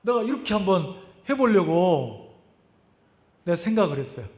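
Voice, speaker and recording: Lively high-voiced preaching man. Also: moderate pace. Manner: conversational preaching, acts out scenes, asks the congregation directly. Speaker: pastor. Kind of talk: sermon. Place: church sanctuary. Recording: echoey church sanctuary.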